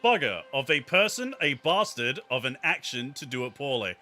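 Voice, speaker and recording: A man's voice: medium pitch, big pitch swings, moderate pace, over music. A man streaming a game with a friend, joking, reading on-screen text aloud and laughing often. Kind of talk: casual let's-play commentary.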